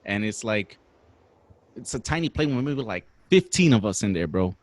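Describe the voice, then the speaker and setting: A young man in his twenties telling a long story in a slangy, animated way, swearing as he goes. His voice sits a little low, and the recording is dry and close. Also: normal speed, dry recording. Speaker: podcast guest. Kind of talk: casual storytelling.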